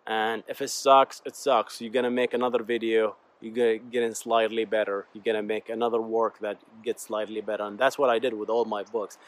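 Talking briskly with hardly any pauses, this Arabic-speaking YouTuber and podcast host delivers an earnest, meandering motivational talk in English to his viewers. His fairly low voice has little pitch movement, and he keeps addressing listeners as "guys."

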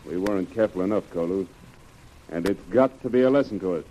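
An actor playing a steady, commanding jungle adventurer in an old radio serial. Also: male voice, deep voice, lightly acted. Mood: grave, resolute. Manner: brisk, authoritative. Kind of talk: 1930s radio serial acting. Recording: muffled, noisy old radio recording.

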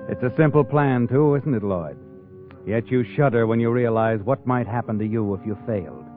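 A man's voice: medium pitch, normal speed, natural voice. Male actor as ominous, taunting radio-drama narrator, theatrical and knowing, music underneath, thin vintage broadcast sound. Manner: taunting, theatrical, addresses the character directly. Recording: tinny old radio recording, music behind.

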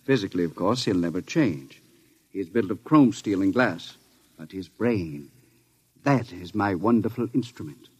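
An actor playing a secretive, proud older scientist in an old radio drama, formal, precise and earnest. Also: male voice, sits low, lively intonation, moderate pace, a little mellow, slightly rough, no echo. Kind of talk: 1950s radio drama acting.

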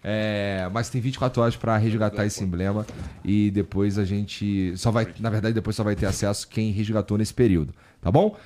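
A man's voice: lowish voice, steady tone, normal speed, mellow, a little hiss or hum. A Brazilian man hosting a podcast, talking casually in an informal, slangy way. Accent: Brazilian Portuguese. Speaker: podcast host. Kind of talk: casual chat.

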